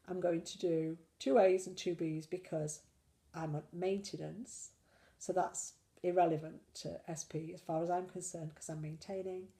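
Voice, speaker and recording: Gravelly woman with a cold. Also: fairly low pitch, dark tone. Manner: chatty, rambling, self-deprecating. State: full of cold. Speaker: slimming vlogger. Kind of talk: casual weekly diet vlog.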